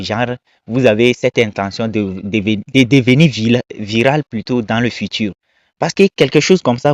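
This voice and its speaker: A man's voice: medium pitch, a little mellow, no room sound. A man giving casual, emphatic commentary on viral videos, repeating his points and moralizing. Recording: dull lo-fi dry sound.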